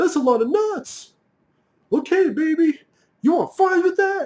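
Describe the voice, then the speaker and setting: In a put-on character voice, the speaker talks loudly at a fairly slow pace with an extremely high pitch. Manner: over the top, pushy.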